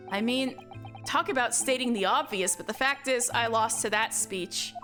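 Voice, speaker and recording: A woman acts out a young man from a video game, wounded in his pride, in a lowered voice. The delivery is formal, theatrical and self-pitying, with faint music behind. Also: moderate pace, pushed and bright. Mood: aggrieved. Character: Japanese young man, proud, melodramatic, humiliated orator. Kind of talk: reading game dialogue in character.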